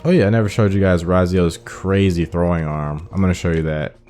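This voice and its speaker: A man's voice: low voice, fairly even intonation, brisk, a little mellow, soft background music. A man giving casual, off-the-cuff playthrough commentary as the host of a gaming channel.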